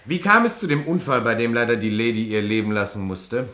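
Police inspector in a radio whodunit, sharp forceful voice, very animated delivery, commanding and deliberate. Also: male voice, medium pitch. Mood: probing. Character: male police commissioner revealing the culprit, authoritative, controlled. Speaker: police detective. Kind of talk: German radio crime play acting.

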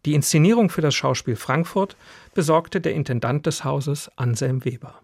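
A man reading a scripted radio introduction as announcer, in a measured, formal manner. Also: fairly high pitch, creaky, darkish tone, dry recording, studio quality. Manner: measured, formal read delivery.

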